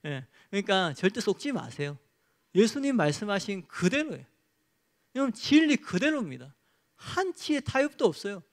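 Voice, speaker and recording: A man's voice: sits high, big pitch swings, normal speed. A male pastor preaching a sermon and leading a closing prayer in an earnest, exhorting manner.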